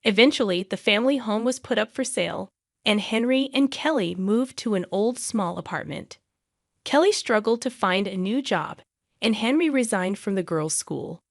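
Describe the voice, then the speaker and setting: A woman gives a scripted first-person story narration in an even, measured delivery. Her voice sits at a middling pitch. The recording is dry and close, with no room sound. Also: dry recording.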